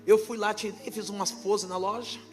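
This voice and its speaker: A woman pastor preaching a sermon with passion, often swelling into shouts. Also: mid-range voice, steady tone, normal speed, soft background music.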